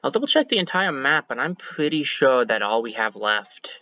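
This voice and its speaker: Bright, chatty game-streaming man. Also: mid-range voice, very animated, moderate pace, no room sound, highs cut off. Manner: chatty, self-correcting, thinks aloud. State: a bit hoarse. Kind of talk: casual let's-play commentary.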